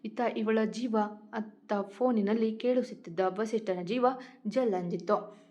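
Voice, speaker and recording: Mellow-voiced woman storyteller. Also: a little high, normal speed. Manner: dramatic, steady storytelling. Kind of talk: scripted story reading. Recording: dull lo-fi recording.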